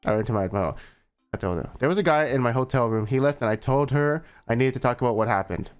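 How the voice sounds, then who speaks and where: A man's voice: mid-range voice, lively intonation, quick pace, smooth, soft background music. Man skimming a text aloud with sarcastic asides. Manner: skims text, skipping parts with "blah, blah"; sarcastic asides between passages. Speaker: streamer reacting to a post. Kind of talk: reading aloud and commenting.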